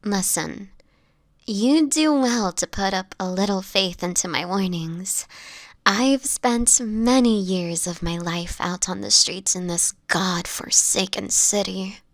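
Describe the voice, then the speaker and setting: A woman playing a gentle, world-weary, sickly homeless vampire in an audio roleplay, speaking softly and breathily in slightly old-fashioned phrases, close to the listener. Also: medium pitch, slow, no echo. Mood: grave warning. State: sickly, frail, with coughs.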